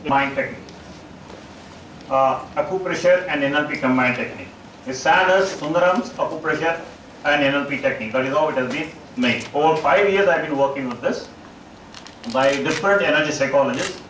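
A middle-aged man with an Indian English accent gives a halting conference talk as a psychologist, full of uh fillers and restarts, on a large auditorium stage. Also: a little high, a bit bright. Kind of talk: conference presentation. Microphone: distant room mic, speaker standing on stage. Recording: echoey auditorium, far from mic, noisy.

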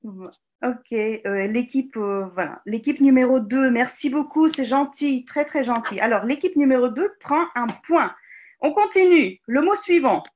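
A woman from Ukraine leads a teacher-training session over a video call, her voice sitting a little high. She talks in a lively, encouraging way, stopping often to search for words with filler sounds, and praises participants as they answer. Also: moderate pace, few pauses, lo-fi sound. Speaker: teacher trainer giving a webinar talk. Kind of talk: live online workshop presentation. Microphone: computer mic on a video call.

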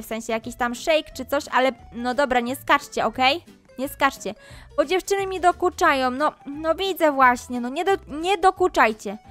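A woman's voice: sits high, a bit bright. A woman commenting on a game as she role-plays a mom scolding her kids, with asides to viewers. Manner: addresses viewers directly. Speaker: Roblox gaming YouTuber playing a mom. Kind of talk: roleplay gameplay commentary.

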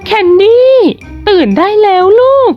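A woman's voice: sits high, animated, a little fast. A woman voicing a mother who nags and scolds her child, in a game role-play story with background music. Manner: scolding and nagging. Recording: slightly dull with background music.

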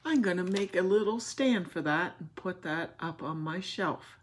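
A woman hosting a craft channel, gushing warmly over gifts as she unboxes them, emotional and sometimes dropping to a whisper. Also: fairly low pitch, normal speed, a little hiss or hum. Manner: gushing and tender, often drops to a whisper. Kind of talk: casual gift unboxing chat.

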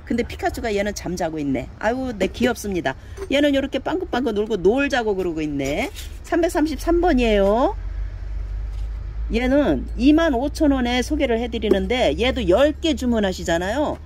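This online pot seller has a slightly high, a little mellow voice with big pitch swings and a moderate pace. In a casual showcase she displays and measures her handmade plant pots, chatting with pointing words and coaxing viewers to buy. Slight background noise can be heard.

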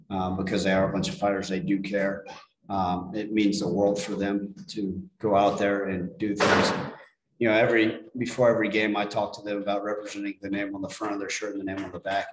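A man's voice: low voice, echoey room, slight background noise, poor audio. A middle-aged man, a head football coach, answering questions at a post-game press conference in a plain-spoken way, often repeating words as he restarts.

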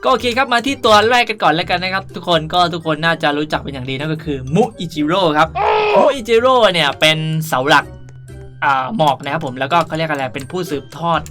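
A man's voice: a little high, expressive, fast talker, over music. A young man hosting a casual game tutorial, rambling on in a playful, chatty way. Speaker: gaming channel host.

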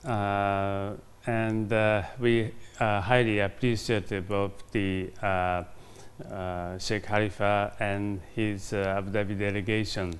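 A man's voice: lowish voice, level tone, takes it slowly, smooth. A man, a diplomat giving a formal interview, with many hesitations and fillers. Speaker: ambassador interviewed. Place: formal reception room, indoors. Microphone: lapel mic.

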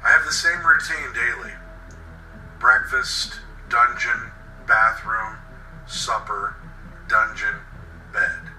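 A man's voice: mid-range voice, steady tone, slow, pauses often, pushed and bright, far from the mic. A man reading a horror monologue as a bitter, vengeful captive, brooding and sardonic as he confesses. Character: bitter, vengeful male captive with anger issues. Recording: roomy echo, set back from mic. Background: music.

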